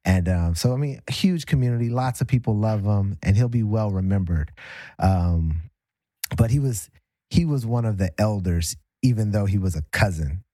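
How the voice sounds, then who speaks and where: California guy hosting a chat, lowish voice, dry sound, kinda halting and reflective. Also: lively intonation, mellow, no room sound. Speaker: podcast host. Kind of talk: casual conversational talk.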